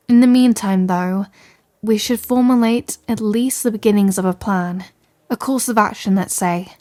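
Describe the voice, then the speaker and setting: A woman's voice: mid-range voice, warm tone, close to an everyday voice. Articulate, caring woman wizard played by an actress. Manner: articulate, bookish, reassuring. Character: capable, caring scholarly female wizard shopkeeper. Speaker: audio roleplay performer. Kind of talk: ASMR fantasy roleplay acting, addressing the listener.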